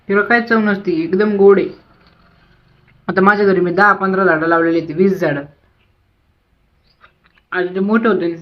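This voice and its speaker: A woman's voice: fairly low pitch, no room sound, muffled recording. Chatty village woman. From Ahilyanagar district, Maharashtra, India. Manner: chatty, homely, talks to the viewers and her animals. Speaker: village family vlogger. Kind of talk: casual vlog narration. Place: outdoors at a village farmhouse.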